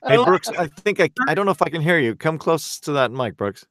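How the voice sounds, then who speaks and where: A man's voice: fairly high pitch, animated, brisk, a loud crowd. A man hosting a podcast, chatting casually with his co-hosts and often fumbling for words. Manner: rambling, friendly, loses his words. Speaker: podcast host. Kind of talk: casual group chat over mics.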